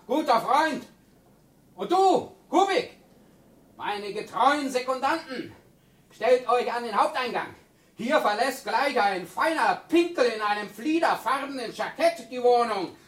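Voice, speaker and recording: An actor playing a coarse, quarrelsome neighbour in a radio play, mocking and boastful. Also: male voice, very high-pitched, fairly bright tone, distant mic, full character voice. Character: rowdy, quarrelsome working-class neighbour, boastful. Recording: roomy, off-mic radio play recording.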